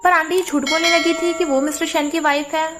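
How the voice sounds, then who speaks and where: High-voiced woman recapping a drama. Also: fairly even intonation, fairly quick, music in the background. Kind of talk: scripted drama recap narration.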